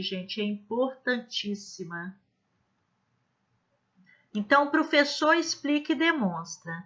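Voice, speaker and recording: Woman, literacy trainer, slow clear demonstrations, slightly high voice. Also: sharp tone, muffled recording. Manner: slow, clear, demonstrative teaching with modeled examples. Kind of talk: instructional video lesson.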